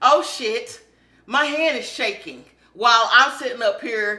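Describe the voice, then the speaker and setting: The voice is raised and projected, with a bright, sharp tone. It sounds animated and moves at a fairly slow pace. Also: woman. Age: 40s. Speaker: vlogger. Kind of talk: storytime vlog; casual vlog. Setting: kitchen.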